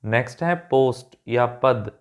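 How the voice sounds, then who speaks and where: A man's voice: mid-range voice, fairly even intonation, a little slow. A man teaching English grammar in Hindi with an Indian English accent, patiently repeating points and checking that learners follow.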